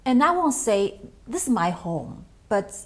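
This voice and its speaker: A middle-aged woman from Taiwan, an English speaker who talks in halting sentences with many restarts as an interview guest. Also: mid-range voice, big pitch swings. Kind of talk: interview conversation.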